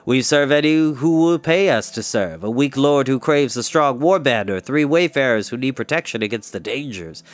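A man's voice: medium pitch, lively intonation, moderate pace, hardly any pauses, natural voice. Man acting menacing, mock-courteous mercenary chief. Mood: grim boasting. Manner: grim, mock-courteous, boastful. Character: menacing, falsely hospitable male mercenary band leader.

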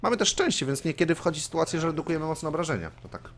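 A man's voice: a little high, very animated, rapid-fire, fairly bright tone, slight background noise. A man hosting a let's play, commenting casually on his gameplay and swearing offhandedly. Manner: chatty, swears casually, reads game story aloud.

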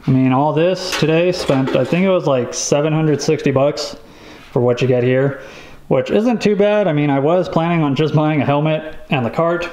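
A man casually showing off tools he bought, talking in a relaxed, rambling way with lots of fillers. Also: a little high, normal speed, a little hiss or hum, low-quality recording. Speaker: vlogger showing a tool haul. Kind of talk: casual show-and-tell chat.

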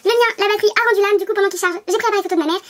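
A young woman rushing through an apologetic aside to her viewers. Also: very high-pitched, fairly bright tone. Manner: rushed, breathless chatter. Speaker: beauty vlogger.

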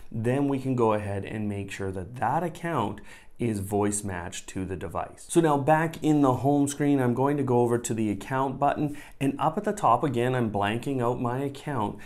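Sitting at a desk in a small indoor room, a man hosts a conversational step-by-step tech tutorial, rephrasing his instructions as he goes. His mid-range voice is a little mellow.

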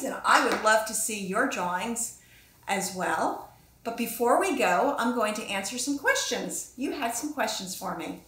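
A woman's voice: mid-range voice, a bit bright. A middle-aged woman talking casually to children, encouraging them and musing aloud as she teaches and asks questions. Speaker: children's author and illustrator giving a drawing lesson. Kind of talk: casual instructional talk to children. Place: small indoor room with echo. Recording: echoey room sound.

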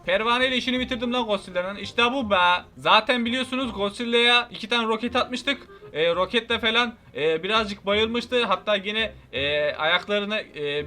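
Excitable high-voiced man narrating a game. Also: fairly quick, few pauses. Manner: shouty, playful, talks to viewers. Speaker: gaming channel host.

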